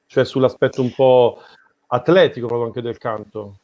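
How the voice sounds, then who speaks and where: A man's voice: medium pitch, fairly even intonation, moderate pace. A man moderating an unscripted interview, feeling his way through long questions with restarts and rephrasing. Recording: slightly dull lo-fi audio.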